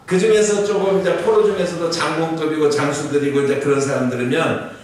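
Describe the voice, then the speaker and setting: A middle-aged male pastor preaches with a fairly high voice, asking his listeners question after question in a chatty sermon. He sounds far from the microphone, and his words ring through a very echoey church hall. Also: steady tone, brisk, slight background noise. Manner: conversational preaching with rhetorical questions to the congregation. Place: church sanctuary.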